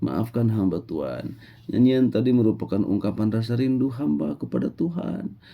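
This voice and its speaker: A man's voice: mid-range voice, lively intonation, vocal fry, dull audio, pitched above the performer's own voice. A man doing a humble, crooning shepherd. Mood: trembling. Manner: slow, crooning, pleading. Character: humble, simple young male shepherd longing for God.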